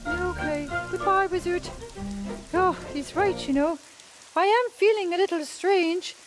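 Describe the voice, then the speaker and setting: A woman voicing a fussy, excitable storybook monarch in a puppet show, bossy and full of exclamations. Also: very high voice, a little slow, poor audio. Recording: puppet show with music behind.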